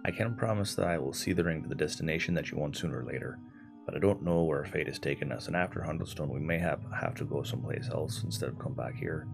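A man's voice: rumbling low, quick pace, creaky, music in the background. A man playing a solemn, folksy dwarf cleric adventurer in a tabletop game. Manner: solemn, folksy, calls others lad.

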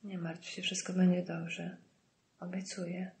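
A woman voicing a wounded man who pleads and then speaks faintly, in a hushed near whisper. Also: medium pitch, fairly even intonation, slow, vocal fry, slight background noise.

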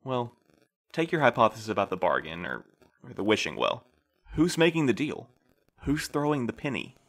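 A man playing a calm, patient middle-aged postmaster who interviews new couriers, speaking gently and in a measured way. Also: mid-range voice, exaggerated voice. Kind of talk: audio drama acting.

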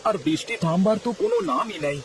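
A man's voice: sits high, wildly swooping pitch, fast, a little hiss or hum. A man voicing a practical village husband in a cartoon, speaking plainly and steadily. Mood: urgent. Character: practical poor villager husband, male, calm. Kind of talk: cartoon voice acting.

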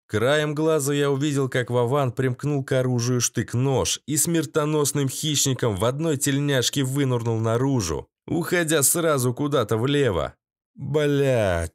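A man's voice: mid-range voice, no room sound, clean studio sound. A man reading a first-person audiobook in a tense, gritty way with crude slang. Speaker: audiobook narrator.

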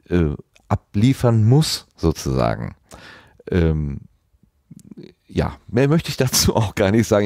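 Low, mellow-voiced male podcast host. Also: dry recording, clean studio sound. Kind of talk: unscripted podcast talk.

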